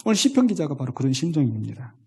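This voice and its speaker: A man preaching a Sunday sermon, reading scripture slowly and with feeling in an animated manner. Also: on the high side, breathy edge. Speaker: pastor.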